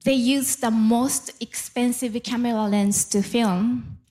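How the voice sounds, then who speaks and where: A woman's voice: a little high, steady tone, slow, dark tone. A middle-aged woman from Japan with a Japanese accent, doing playful stand-up comedy and crowd work before a live audience. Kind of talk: stand-up set.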